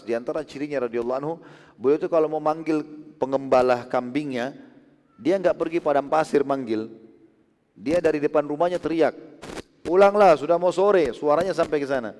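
A male preacher retelling a story in a sermon, animated and conversational, often checking that listeners follow. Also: mid-range voice. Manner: animated, conversational, with asides seeking assent. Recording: long hall reverb.

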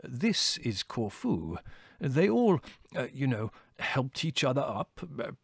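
A man voicing an earnest, hesitant, scholarly gentleman, full of uhs, in a storybook reading. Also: medium pitch, very animated, slow pace, vocal fry, husky, no echo, studio quality, full character voice. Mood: proud, hesitant. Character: earnest, proud, scholarly older gentleman with scientific relish. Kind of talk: audiobook character voice.

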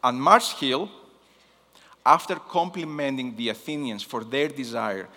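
A male preacher with a Greek accent delivers a sermon in a bright, forceful voice. He is deliberate and repeats key phrases for emphasis. His medium-pitched speech rings with the long reverb of a large hall. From Greece. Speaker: guest missions preacher. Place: large hall, speaking to a congregation.

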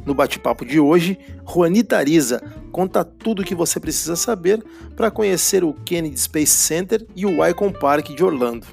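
This is a man delivering a scripted podcast intro in an upbeat, announcing way. His voice is fairly high with a gravelly edge. Faint guitar music plays underneath him. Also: lively intonation, normal speed, darkish tone.

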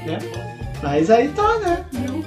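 A man tells a crude story in a lively, swooping voice. He swears freely and acts out the scenes as he goes. His voice sounds roomy and set back from the mic, with music playing behind. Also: extremely high pitch, takes it slowly, far from the mic. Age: 30s. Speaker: podcast co-host telling a story. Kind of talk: casual chat, comic anecdote.

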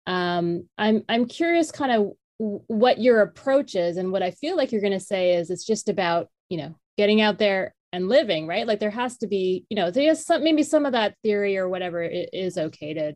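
A woman hosts a casual podcast interview with a voice of middling pitch. She asks long, winding questions, circling back and restarting as she goes. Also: normal speed, few pauses, a little mellow. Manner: rambling questions with many fillers and restarts.

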